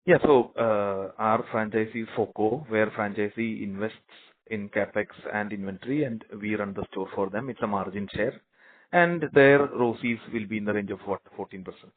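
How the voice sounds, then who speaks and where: A man's voice: fairly low pitch, moderate pace. A man with an Indian accent, a company executive answering investor questions on an earnings conference call. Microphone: conference call phone line. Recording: muffled narrow phone line.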